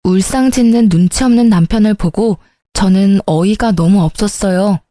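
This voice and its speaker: A woman's voice: mid-range voice, normal speed, dark tone, dry recording, clean studio sound. A woman narrating a scripted family story in a conversational storytelling manner.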